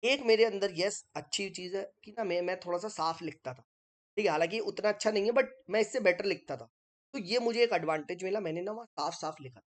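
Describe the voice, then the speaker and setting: A little fast and high-voiced, a man teaches an exam-prep class online in a conversational way. Writing on screen as he goes, he explains things step by step and keeps checking that listeners are following.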